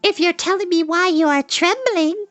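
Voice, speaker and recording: A woman's voice: very high-pitched, moderate pace, no room sound, voice pushed up. A woman voicing a tiny, cheerful young female spider in a children's storybook, with a chirpy, earnest manner. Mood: friendly.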